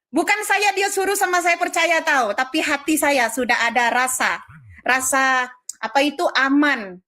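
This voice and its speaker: Affectionate Madurese woman, fairly high voice. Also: normal speed, pushed and bright. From Madura, Indonesia. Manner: affectionate, calls the listener dear, testimony-like. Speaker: guest on live stream. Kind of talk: casual chat.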